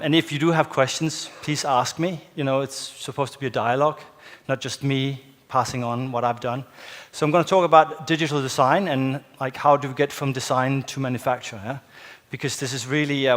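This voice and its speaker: A middle-aged Danish-accented man gives a conference talk in English, his second language. He pauses often with fillers and keeps checking in with the audience with a quick "yeah?". His voice sits at an ordinary pitch and rings with the long reverb of a big hotel hall. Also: fairly bright tone. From Denmark. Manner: hesitant, many fillers, tag question "yeah?". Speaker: conference speaker. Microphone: headset or lapel mic, far camera.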